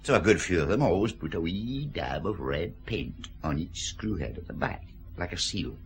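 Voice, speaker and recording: An actor playing a dry, self-satisfied police forensic scientist explaining evidence in a radio drama. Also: male voice, deep voice, animated, normal speed, a little hiss or hum. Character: wry Glasgow police forensic scientist, pleased with himself.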